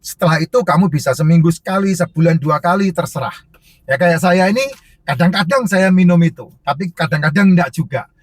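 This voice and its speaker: A man's voice: fairly high pitch, a little fast, no echo. A man who sells herbal drinks, answering viewer questions in casual, emphatic, repetitive advice that lists point after point.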